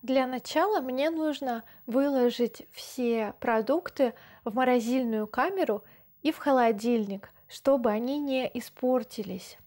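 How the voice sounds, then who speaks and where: A young adult language-teacher vlogger explains slow, clear Russian for learners, calm and deliberate, her high voice soft and mellow. She films herself at arm's length with a handheld camera around a country house and outdoor yard. The sound has no room echo and is studio quality.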